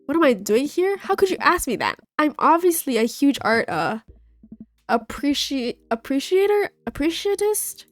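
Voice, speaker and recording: A young woman with a cold-stuffed nose, a gaming video host, playfully reads a dating game aloud, voicing every character in her own voice. Her high, sing-song delivery moves at normal speed with no room sound, and faint game music plays behind her.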